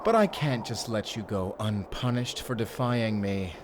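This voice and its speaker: A man's voice: fairly low pitch, a little slow, noisy background, natural voice. A man playing a gloating, menacing fantasy villain in an audio drama, with a mocking, theatrical delivery. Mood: threatening.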